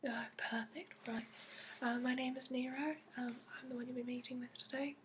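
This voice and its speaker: A woman voicing a gentle, seasoned dragon keeper in a soft, whispery, hesitant ASMR roleplay with a put-on accent. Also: sits high, steady tone, moderate pace, slight background noise, natural voice. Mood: gentle, reassuring. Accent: put-on, phony. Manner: hesitant, gentle, reassuring, full of ums. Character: gentle, seasoned female dragon-keeper interviewing a new recruit. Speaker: dragon companion interviewer and guide.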